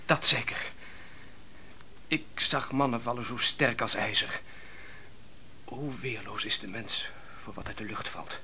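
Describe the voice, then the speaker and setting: An actor playing an exhausted young shepherd turned soldier in a Dutch radio play, deferential, halting and reflective. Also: male voice, mid-range voice, sharp tone, slight background noise. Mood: haunted, sombre. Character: weary young male shepherd turned soldier, honest, haunted.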